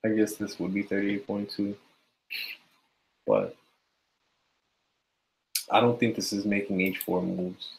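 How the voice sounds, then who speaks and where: A man's voice: fairly low pitch, level tone, slow pace, vocal fry, pauses often, darkish tone, a little hiss or hum, low-quality recording. A man giving a casual live-stream forex chart analysis, sleepy and yawning, talking loosely with many fillers. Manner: casual, filler-heavy, addresses viewers as guys. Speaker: forex trading educator.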